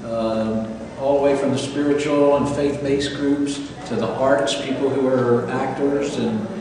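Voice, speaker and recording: Loud background noise and audible room echo fill the recording. A man speaks at a fairly slow pace. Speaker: community organizer and advisor. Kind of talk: casual interview. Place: classroom. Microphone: camera far.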